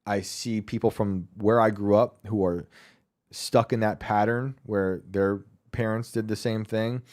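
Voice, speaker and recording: Low, mellow-voiced male podcast host. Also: unhurried. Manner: relaxed, laughs often, thinks aloud with fillers. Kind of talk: casual call-in show chat.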